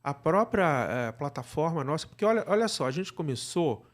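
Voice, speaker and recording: A man's voice: fairly high pitch, animated, normal speed. A man with a Brazilian accent explaining things in a casual interview, often checking in with short tag questions. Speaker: interview guest, audio drama producer.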